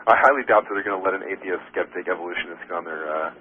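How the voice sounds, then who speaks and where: A man calls into a radio show and argues back at the host with skepticism, often stumbling through fillers. He speaks quickly in a fairly low voice. The sound comes through a tinny phone line with a faint hiss. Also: husky. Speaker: caller. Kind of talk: call-in radio debate.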